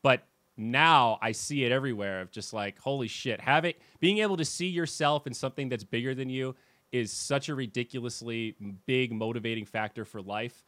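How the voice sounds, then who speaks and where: A man hosting a podcast in casual chat, telling animated stories with swearing and restarts. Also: mid-range voice, normal speed, dry recording. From United States. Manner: animated storyteller who swears and restarts sentences. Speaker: podcast host and esports commentator.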